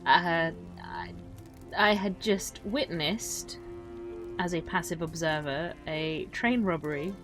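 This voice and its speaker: Woman playing a lowish-voiced, wry western traveler. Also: music in the background. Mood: wry recollection. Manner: dry understatement, hesitant deliberate phrasing. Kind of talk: casual in-character campfire storytelling.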